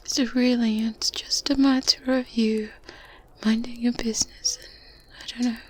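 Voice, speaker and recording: A woman voicing a kindly, motherly good witch in a gentle, breathy ASMR roleplay whisper, teasing softly and reassuring as she goes. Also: on the high side, flat delivery, natural voice, low-quality recording. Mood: earnest, reassuring. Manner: gentle, unhurried, coaxing, little hums. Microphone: close binaural microphone. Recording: close binaural mic with faint ambience noise. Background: medieval ambience sounds.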